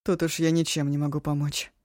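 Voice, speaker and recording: A woman voicing a proud, volatile young woman who swings between harsh words and shrill, sobbing outbursts. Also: moderate pace, darkish tone, dry recording, clean studio sound, lightly acted.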